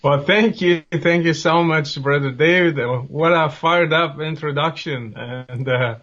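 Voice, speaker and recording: A man's voice: on the high side, unhurried, a bit bright, highs cut off. A middle-aged man from Morocco, a guest in an interview, speaking in a friendly, hesitant way with many fillers. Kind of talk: interview conversation.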